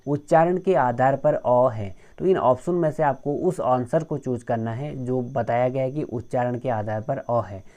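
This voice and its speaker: A man's voice: mid-range voice, moderate pace, hardly any pauses, mellow, highs cut off. A man teaching an exam-prep grammar lecture, explaining step by step and often addressing viewers as friends.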